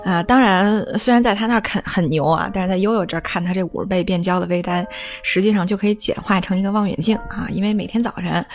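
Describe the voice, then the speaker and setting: A woman telling family anecdotes in a casual, humorous way, with many drawn-out filler particles between phrases. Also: medium pitch, faint music behind. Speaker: storyteller recounting family anecdotes. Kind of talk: casual spoken storytelling.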